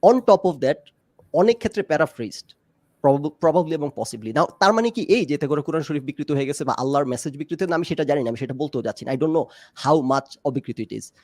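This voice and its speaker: A man's voice: fairly high pitch, expressive, brisk, darkish tone, no room sound, clean studio sound. A man arguing his point in a casual debate, mixing English phrases into his speech. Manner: argumentative, mixes English phrases into Bengali. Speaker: discussion guest. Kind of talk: casual debate on a live stream.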